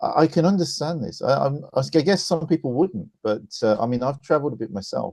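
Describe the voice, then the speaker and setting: A man talks at a fairly quick pace with hardly any pauses, his intonation lively and his pitch fairly high. His tone is dark and mellow, with vocal fry. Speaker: interview host. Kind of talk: interview conversation.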